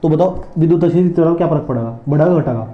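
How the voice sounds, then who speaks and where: A man's voice: a little high, very fast, roomy sound, lo-fi sound. A man teaching physics in a classroom lecture, repeating points and drilling his students with questions and answers.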